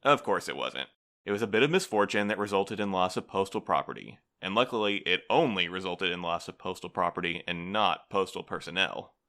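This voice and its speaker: An actor playing a prim, officious postal supervisor in an audio drama, formal, polite and unflappable. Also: male voice, deep voice, animated, a little fast, pushed and bright, heavily acted. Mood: brightly condescending. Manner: formal, bureaucratic, smoothly evasive.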